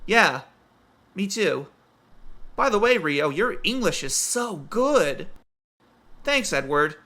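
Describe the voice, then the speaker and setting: A man reading scripted everyday conversations for English learners, in a clear, evenly paced textbook delivery. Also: sits high, sharp tone. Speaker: dialogue voice for English practice.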